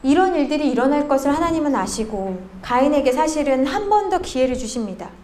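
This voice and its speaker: A woman's voice: high voice, lively intonation, a little fast, darkish tone. A young woman preaching a sermon who asks the congregation questions and acts out the voices of the people she quotes.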